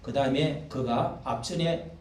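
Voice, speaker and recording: An older man preaching a sermon as pastor, talking in a folksy, animated way and acting out the quotes he reads. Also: medium pitch, unhurried, a little hiss or hum. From South Korea. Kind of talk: expository sermon. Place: church hall. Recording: echoey room, mic at a distance.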